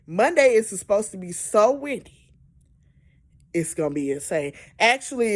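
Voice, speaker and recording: A woman giving a casual weather update, exasperated and emphatic, repeating words for stress. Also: medium pitch. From Georgia, US. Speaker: amateur weather commentator.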